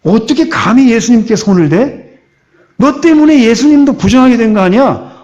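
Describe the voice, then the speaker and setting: A man's voice: extremely high pitch, expressive, moderate pace, darkish tone, pitched above the performer's own voice. A man voicing an indignant onlooker who scolds a woman, in an accusing, raised voice. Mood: scolding. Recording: dull lo-fi recording.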